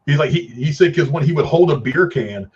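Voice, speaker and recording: A man's voice: a little high, lively intonation, a little fast, husky, lo-fi sound. A man co-hosting a casual film chat, telling rambling anecdotes in slangy, profane language. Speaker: podcast co-host.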